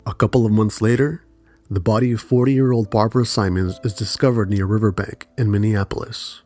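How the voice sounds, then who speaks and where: Man, lower-pitched voice, documentary narration, serious, measured storytelling, music bed. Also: steady tone, a little mellow. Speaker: true crime narrator.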